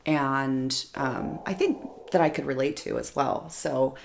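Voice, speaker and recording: A middle-aged woman co-hosting a podcast, hoarse and raspy from a recent bug, talking loosely with lots of fillers. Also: extremely low pitch, a little slow, a little hiss or hum. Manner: rambling, filler-heavy, winging it. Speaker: podcast co-host. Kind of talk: casual chat.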